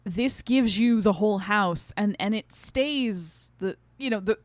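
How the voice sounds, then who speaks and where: A woman co-hosting a podcast, explaining her opinions in a casual, animated way with lots of "like" and "right?". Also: medium pitch, unhurried, no room sound. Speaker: podcast co-host. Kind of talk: casual conversational review.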